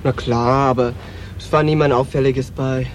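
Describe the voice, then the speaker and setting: An actor playing a streetwise, quick-tempered trans street hustler, sharp and emotional, in a radio drama. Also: male voice, medium pitch, fairly even intonation, natural voice. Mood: guarded, reflective. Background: music, traffic and street sounds.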